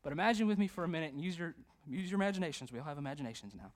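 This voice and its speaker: A man, a youth pastor preaching a sermon in a church, animated and conversational, with frequent fillers and jokes. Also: on the high side, rapid-fire. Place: church sanctuary.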